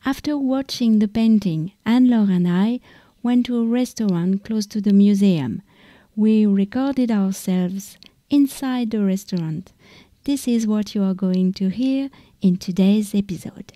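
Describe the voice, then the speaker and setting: A French woman hosting a podcast for learners, reading calmly and carefully. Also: medium pitch, no echo. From France. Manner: calm, careful, unhurried reading. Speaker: podcast host. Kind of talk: slow read-aloud for French learners.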